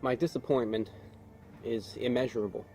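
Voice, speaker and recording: A man delivering a scripted complaint in a deadpan, grave manner over music. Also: mid-range voice, normal speed.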